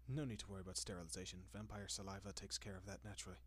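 A centuries-old vampire, acted by a man, speaks in a fairly low, husky voice. He is refined and courteous, coaxing softly with lingering pauses. The tone is doting and possessive, in the style of intimate roleplay audio. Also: fairly even intonation. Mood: doting, pleased.

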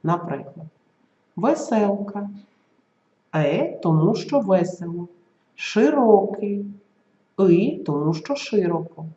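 A teacher giving a school video lesson, spelling out example sounds and words slowly and carefully. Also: medium pitch, lively intonation, dark tone. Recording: roomy, slightly dull recording.

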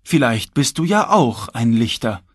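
A man's voice: medium pitch, very animated, unhurried, husky, no room sound. A man voicing a cold, uncompromising young male magician who speaks with stern, unwavering conviction.

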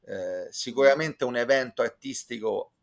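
A man with a Roman accent giving an informal review as a guest commentator, reflective and halting, with wordy, erudite phrasing. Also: mid-range voice, gravelly. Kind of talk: informal spoken concert review. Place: indoor room with bookshelves. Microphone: video call, close to computer.

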